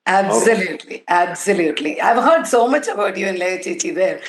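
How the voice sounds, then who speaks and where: A woman's voice: medium pitch, lively intonation, a little fast, reverberant. A woman from Kerala, India, talking about where she comes from as an interview guest. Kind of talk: interview chat.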